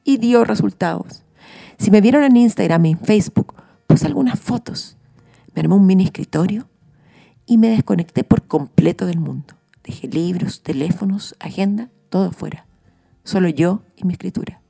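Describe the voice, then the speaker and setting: A woman, a writer hosting her own show, reflecting calmly and speaking straight to her listeners. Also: medium pitch, moderate pace, creaky, slightly rough, faint music behind. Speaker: writer and podcast host. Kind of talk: reflective spoken monologue.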